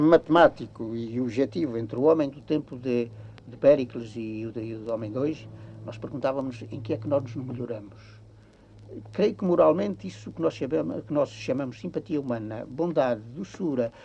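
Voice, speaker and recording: Someone in a Beira accent speaks at a moderate pace with lively intonation and big swings in loudness. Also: man, medium pitch for a man. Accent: Beira region Portuguese. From Portugal. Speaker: novelist. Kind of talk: radio interview answer. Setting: old radio broadcast recording. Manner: hesitant, halting.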